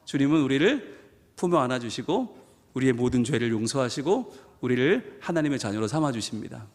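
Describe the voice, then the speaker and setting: A man's voice: medium pitch, lively intonation, a little fast. A man preaching a fervent sermon as pastor at a church prayer service, emphatic and full of repeated phrases. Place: church sanctuary at a live midweek prayer service. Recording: live church hall reverb with soft music.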